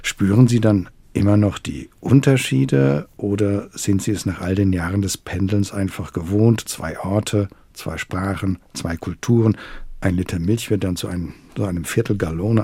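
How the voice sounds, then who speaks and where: A man hosting a radio culture program, asking measured, polite questions in the studio. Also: lowish voice, mellow, husky, no echo. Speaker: radio host. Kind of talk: radio interview. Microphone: studio microphone.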